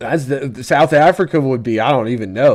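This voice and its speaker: A man with an American accent speaks at a fairly quick pace, his pitch fairly high. He has a plain, everyday voice with ordinary pitch variation. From Pennsylvania, about an hour north of Philadelphia. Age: 30s. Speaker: live streamer. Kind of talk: casual live-stream chat with viewers.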